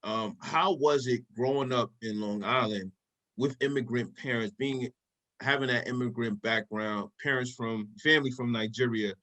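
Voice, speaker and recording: A man's voice: medium pitch, normal speed, bright, forceful tone. A man co-hosting a podcast, easygoing and friendly, talks with a mid-range voice and keeps calling his guest "bro." He sounds like he is hanging out with an old friend. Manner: laid-back, friendly, calls guest "bro". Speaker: podcast co-host. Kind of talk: casual podcast conversation.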